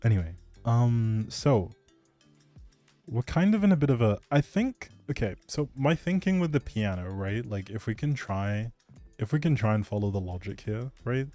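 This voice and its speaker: A warm, mid-range male voice, very animated and at normal speed, carries this casual gaming livestream. The host responds to viewers in a wandering, hesitant way, often trailing off, as music plays behind him.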